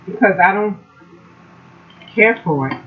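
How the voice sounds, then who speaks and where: A woman walks through her recipe step by step in a relaxed, chatty way, talking as she cooks. Her voice sits at an ordinary pitch. The sound is dull and lo-fi, like a home video. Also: unhurried. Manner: chatty, explains each cooking step as she goes. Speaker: cooking vlog host. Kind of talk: casual cooking chat.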